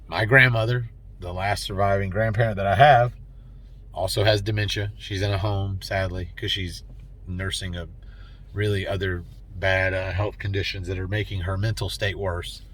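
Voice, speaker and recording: A man's voice: deep voice, steady tone, normal speed, a bit bright. A man vlogging, rambling and heartfelt, emotional and holding back tears, with many fillers. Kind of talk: personal talk to camera.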